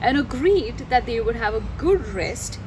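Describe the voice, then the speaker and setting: A woman reading a story aloud to children outdoors, expressive and often putting questions to her listeners. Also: fairly high pitch, normal speed. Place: outdoors under a mango tree. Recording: noisy outdoor recording.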